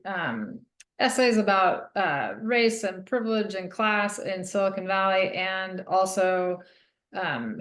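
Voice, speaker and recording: A middle-aged woman from Northern California, an author speaking at a middle pitch. She answers thoughtfully, pausing on ums and laughing softly, and her voice echoes in a roomy studio. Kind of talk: interview answers. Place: radio studio.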